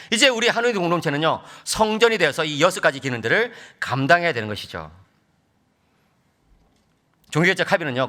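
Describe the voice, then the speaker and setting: Lively high-voiced male preacher. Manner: animated storytelling with quoted dialogue. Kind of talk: sermon.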